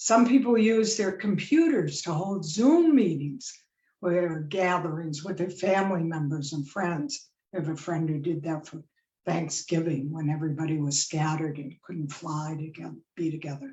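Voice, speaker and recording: Somewhat breathy, a woman speaks at a fairly low pitch with ordinary pitch variation and big swings in loudness. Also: moderate pace. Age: 80s+. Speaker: panel speaker on aphasia research. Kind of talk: webinar presentation. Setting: video call. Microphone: laptop.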